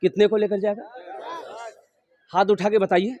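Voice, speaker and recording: A man preaching a rousing Muslim sermon in a booming political-rally manner, calling on his listeners to respond, through a stage microphone. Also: level tone, moderate pace, darkish tone, muffled recording. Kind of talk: rousing sermon oratory to a crowd. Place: large religious gathering. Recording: echoing PA system before a crowd.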